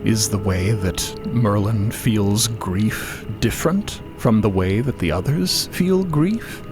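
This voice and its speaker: A man narrating an audio drama in a deliberate, questioning storytelling style. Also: fairly low pitch, animated, music in the background.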